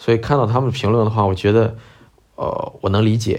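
Here a man with an ordinary speaking voice and medium pitch talks at a fairly quick pace. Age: 30s. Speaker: extreme sports enthusiast, skydiver. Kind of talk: interview conversation.

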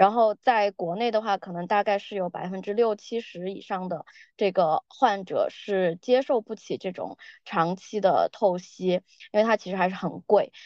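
Here is a woman with an ordinary speaking voice. Her pitch is medium and varies in an ordinary way. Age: 30s. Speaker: healthcare worker. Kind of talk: casual chat. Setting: remote call.

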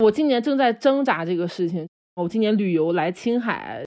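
A woman's medium-pitched, ordinary speaking voice at a moderate pace. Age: 30s. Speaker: listener sharing personal story. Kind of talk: personal testimony.

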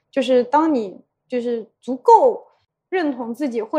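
Her voice is high with a dark, mellow tone, and this woman uses lively intonation. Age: 30s. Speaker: former marketing and data professional. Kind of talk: casual interview chat. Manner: hesitant, many fillers.

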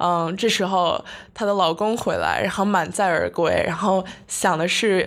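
A woman with an unremarkable speaking voice talks at a fairly slow pace and a medium pitch. Her loudness is very even and her intonation fairly even. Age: 20s. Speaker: podcast co-host, student. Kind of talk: casual chat.

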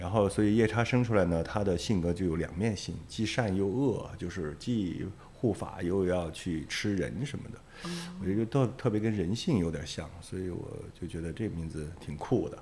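There is audible room echo as a man with a very deep, low voice and a dark, mellow tone talks at a moderate pace with ordinary pitch variation. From Sichuan, Zigong. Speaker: metal band singer. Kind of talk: interview conversation.

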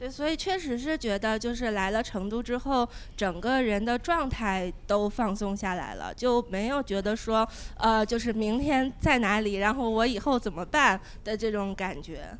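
Speaking at a moderate pace with ordinary pitch variation, a woman has a plain, everyday voice. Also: fairly high pitch for a woman. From not Sichuan, lived in Beijing 13 years. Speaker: former pharma employee, audience member. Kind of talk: casual group discussion.

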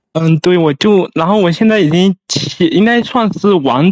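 The audio is close and dry, without any echo. The man speaking has a high-pitched voice. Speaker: undergraduate caller. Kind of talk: casual call-in consultation. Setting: live-stream voice link. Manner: halting.

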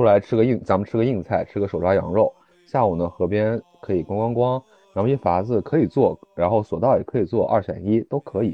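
This is an ordinary speaking voice with ordinary pitch variation. The pace is fairly quick. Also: man. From Lanzhou, Gansu, northwest China. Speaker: podcast co-host. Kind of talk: casual chat.

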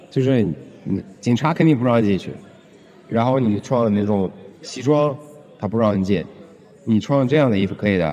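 A man with a medium pitch talks at a moderate pace, varying his pitch in an ordinary way. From Siberia, Russia. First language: Russian (speaking Chinese). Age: 30s. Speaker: fashion designer. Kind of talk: casual chat. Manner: halting.

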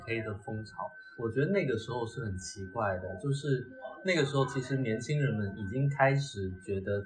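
This speaker has a Chaoshan accent and talks at a fairly quick pace with ordinary pitch variation. Noticeable background noise can be heard. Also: man. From Chaoshan, Guangdong. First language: Teochew (speaking Chinese). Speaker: podcast co-host. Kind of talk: casual chat. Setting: bookstore.

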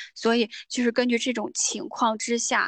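Against a quiet background, a woman speaks at a moderate pace in a dry, close sound with no echo. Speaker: graduate student. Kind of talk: interview conversation.

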